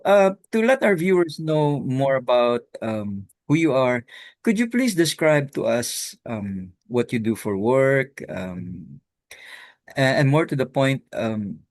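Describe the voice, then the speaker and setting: A man hosts an interview in an unhurried way. He pauses often and ends his questions with a tag. The sound is very dry and close. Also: medium pitch, dry recording. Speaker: talk show host. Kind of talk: hosting an interview.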